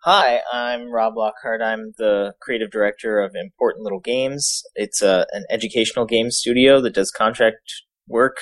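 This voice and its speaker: A man with an average-pitched voice co-hosts a casual podcast. He talks haltingly, often pausing in the middle of a thought as he searches for his wording. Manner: halting, pauses mid-thought. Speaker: podcast co-host, game creative director.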